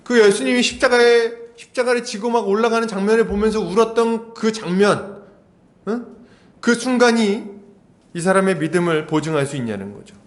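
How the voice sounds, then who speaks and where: A man's voice: high voice, normal speed. A man preaching an expository sermon as a pastor, telling a story and asking the congregation questions. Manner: storytelling with lively, animated delivery and rhetorical questions. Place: church.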